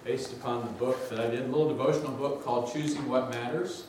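A man's voice: mid-range voice, fast, background noise. Big-voiced man preaching in an echoing church. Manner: energetic, conversational preaching with asides. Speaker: guest preacher. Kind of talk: sermon. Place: large church sanctuary. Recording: very echoey church from a distance.

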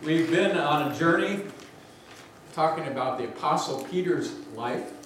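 A man with a big voice preaching a sermon as a guest preacher, energetic and conversational, with asides to the congregation. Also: a little high, a little slow, a little hiss or hum. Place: large church sanctuary. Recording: very echoey church from a distance.

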